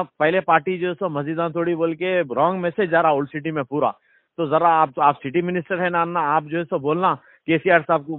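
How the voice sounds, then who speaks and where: A man's voice: on the high side, dry recording. A man with a Hyderabadi accent making a deferential request in an informal recorded phone call. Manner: deferential, repeating short acknowledgments. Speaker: community caller petitioning a minister. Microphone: phone line.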